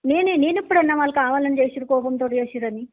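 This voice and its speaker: Telangana lady principal talking super fast on a tinny call, defensive, keeps denying and talking over the caller. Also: high voice. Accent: Telangana Telugu. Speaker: school principal. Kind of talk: defensive phone conversation. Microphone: telephone. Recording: tinny narrowband phone call.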